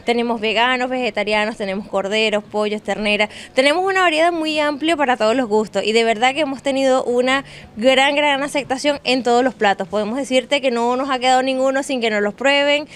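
A woman chef in her thirties speaks with a Venezuelan accent into a handheld mic. Her voice is fairly high, and her tone is polite and welcoming. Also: fairly quick, smooth. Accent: Venezuelan Spanish. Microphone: handheld reporter mic.

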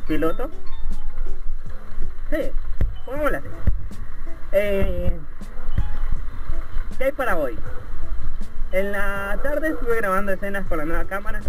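A man's voice: high-pitched, animated, takes it slowly, pauses often, music in the background, poor audio. A young man from Ecuador, chatting casually and rambling while riding a motorbike, a bit congested from a cold. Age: young adult. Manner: rambling, joking, loses his train of thought. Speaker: motovlogger. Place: riding a motorbike on city streets, outdoors. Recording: clear traffic and wind noise.

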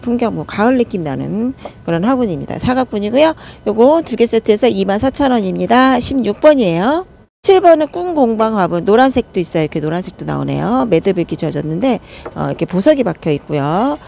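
A woman talks through a row of plant pots for sale in a casual, chatty way, counting off sizes and prices as she handles each one. Her voice is mellow and dark, with a gravelly fry. Her pitch sits in the middle of the usual range. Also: big pitch swings, a little fast, a little hiss or hum. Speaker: succulent pot seller. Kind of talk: casual product showcase.

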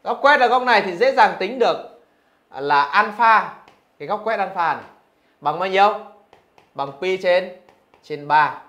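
A man with a high voice teaches physics, working through exam questions one by one. He keeps checking with his students as he explains each answer. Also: animated, measured pace, pauses often, bright, forceful tone. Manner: talks through answers, asks rhetorical questions. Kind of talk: exam review lesson.

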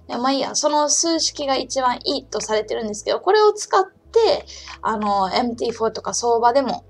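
A woman's voice: a little high, lively intonation, fairly quick, faint music behind. Chatty woman live-streaming a trading lesson. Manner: chatty, talks to herself and reads chat aloud; calls herself by name in the third person. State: recovering from a sore throat. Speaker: trading channel host. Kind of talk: casual live-stream explanation.

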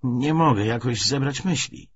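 Audiobook role, male reader: nervous, halting man, husky, on a slightly muffled recording. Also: medium pitch, no room sound, voice pushed up, close to an everyday voice. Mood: anxious, hesitant. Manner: hesitant, halting. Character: anxious, flustered man reluctantly writing to his brother. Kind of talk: audiobook character dialogue.

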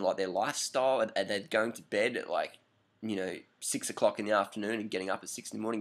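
Aussie guy in his 30s, lowish voice, rambling webcam vlog, keeps repeating himself. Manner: rambling, emphatic, repeats phrases. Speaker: vlogger answering viewer questions. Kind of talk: casual advice vlog. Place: indoor room with curtains, at night. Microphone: laptop webcam up close.

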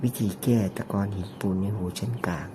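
A man narrating an ear-cleaning demonstration, talking in a deliberately raised, soft, falsetto-like voice with chatty, joking asides. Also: fairly even intonation, background noise.

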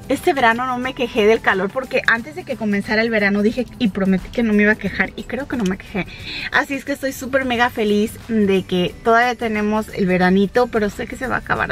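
A woman vlogger in her thirties talks casually and straight to her audience. Her voice sits a little high, and she drops English phrases into her chat. Light music plays faintly underneath. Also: fairly quick, a bit bright. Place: home and car, Michigan.

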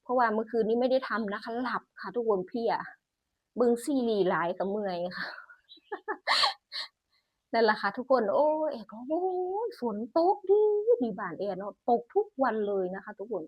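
A woman's voice: fairly high pitch, expressive, moderate pace, breathy edge, no room sound, lo-fi sound. A woman with a northeastern Thai Isan accent hosting a casual lottery numbers channel from home, chatty and exclamatory, often laughing. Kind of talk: casual chat while reading incense numbers. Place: home, indoors.

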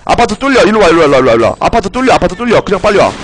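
A man streaming a game live, excitedly shouting orders at his teammates and breaking into mock-grand commands. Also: sits high, rapid-fire. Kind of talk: live gameplay commentary. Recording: noisy game audio behind.

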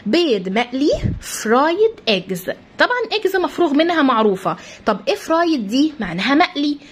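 Lively husky Egyptian woman teacher. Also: high voice, normal speed, a little hiss or hum. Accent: Egyptian Arabic. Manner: drills each word by repeating it and spelling it letter by letter; coaxing, addresses pupils directly. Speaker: English teacher. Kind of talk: vocabulary lesson for children.

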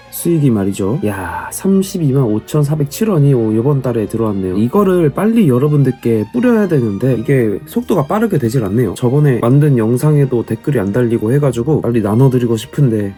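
A man's voice: medium pitch, very animated, moderate pace, dark tone, soft background music. A man in his thirties, a YouTuber, chatting casually and reading viewer comments with self-deprecating jokes. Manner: self-deprecating, joking asides. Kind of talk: casual vlog chat.

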